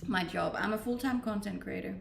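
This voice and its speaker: Her mid-range voice is creaky and brisk: a young woman from Denmark, a native Danish speaker, casually reading stream chat questions aloud and answering them. The home setup is roomy and distant-miked, with slight background noise.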